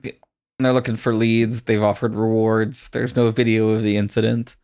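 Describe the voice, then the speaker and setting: A man hosting a podcast in casual, reflective talk, choosing his words tentatively in a creaky voice. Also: fairly low pitch, flat delivery, moderate pace, a little mellow. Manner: thoughtful, tentative phrasing. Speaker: podcast host.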